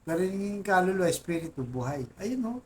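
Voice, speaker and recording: A man's voice: high voice, lively intonation, a little fast. A man with a Filipino accent, talking informally and earnestly to his viewers about faith, often asking "right?" and reading verses aloud. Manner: earnest, repeats "di ba?" and "guys" often, reads scripture aloud. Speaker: Catholic faith vlogger. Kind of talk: informal religious teaching to viewers.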